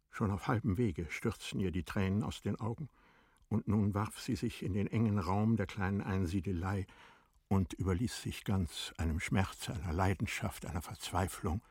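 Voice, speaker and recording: A male narrator with a deep, husky voice tells a classic story for radio drama. The delivery is measured and formal, recorded very dry and close. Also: no echo. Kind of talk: scripted literary narration for a radio play.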